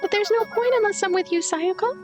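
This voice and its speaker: Woman voicing a high, bubbly young girl. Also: fairly quick, darkish tone, faint music behind. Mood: hurt, pleading. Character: cheerful, devoted young ghost girl, eager roommate.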